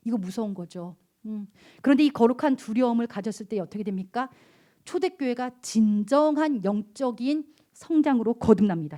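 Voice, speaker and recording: 청소년부 학생들에게 설교하는 중년 여성 목사로, 기도와 아이들 말투를 흉내 내며 생동감 있게 말한다. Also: female voice, high voice. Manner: animated, acts out prayers and kids' voices. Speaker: youth pastor. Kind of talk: sermon to teenagers.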